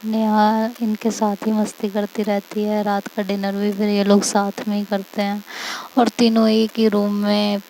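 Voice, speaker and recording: A woman's voice: medium pitch, completely flat delivery, measured pace, dark tone, low-quality recording. Chatty woman telling a love story. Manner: chatty, repeats linking phrases. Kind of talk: casual spoken story narration. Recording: faint hiss.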